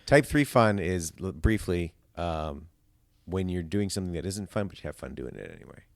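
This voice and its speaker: A man's voice: deep voice, very animated, normal speed, creaky, no echo. A man talking casually as a podcast guest, explaining his ideas in a rambling, emphatic, philosophizing way. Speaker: podcast guest, stage actor.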